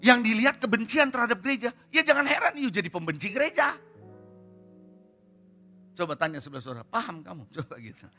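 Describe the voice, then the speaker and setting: A man's voice: very high voice, very animated, fast, long pauses, pushed and bright, soft background music. A man pastor preaching a sermon at a church service, emphatic and repeatedly putting rhetorical questions to the congregation.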